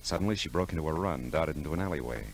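An actor playing a cool, laconic hard-boiled private detective with wry delivery in a 1940s radio drama. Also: male voice, a bass voice, lively intonation, very fast, noisy background. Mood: brooding narration. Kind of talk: 1940s radio drama acting and noir narration. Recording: old radio recording, music behind.

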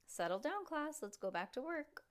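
A woman voicing a patient male grade-school teacher from a children's storybook, speaking in a measured, instructive way. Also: high voice, sing-song, voice pushed up. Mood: firm.

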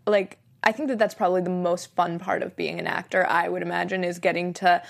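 Upbeat woman with a lower voice. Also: fairly quick, gravelly. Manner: upbeat, says "like" often. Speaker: podcast co-host. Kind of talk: casual film discussion.

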